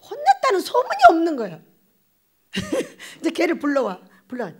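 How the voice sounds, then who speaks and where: An older woman pastor preaching a lively storytelling sermon, acting out little exchanges and laughing as she goes. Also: very high voice, normal speed. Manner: animated, acts out quoted exchanges, laughs often. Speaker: pastor, head of a prayer retreat.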